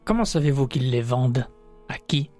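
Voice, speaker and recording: Polite, mid-pitched male role-player. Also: lively intonation, moderate pace, darkish tone, faint music behind. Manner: brief, polite, formal replies. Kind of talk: in-character role-play dialogue.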